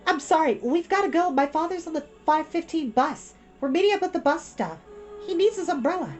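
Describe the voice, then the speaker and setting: A woman reader puts on a responsible schoolgirl, the older sister in a storybook. The voice is high and lively, with polite, earnest manners. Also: brisk, faint music behind. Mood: polite, hurried. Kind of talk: children's storybook character voice.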